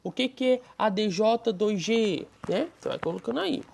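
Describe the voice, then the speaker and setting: A woman's voice: mid-range voice, expressive, moderate pace, creaky, darkish tone, a little hiss or hum. A woman with a Brazilian Portuguese accent teaching an online language lesson, explaining step by step in a patient, friendly way.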